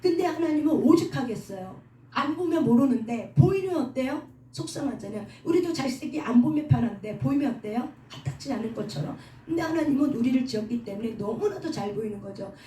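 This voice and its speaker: Preaching at a prayer house, this middle-aged woman speaks in a high, expressive voice that is fairly quick and dark in tone. She keeps throwing rhetorical questions at the congregation and leads them in repeating lines. Recorded indoors in a reverberant hall, she comes across from far away over a faint hum of background noise.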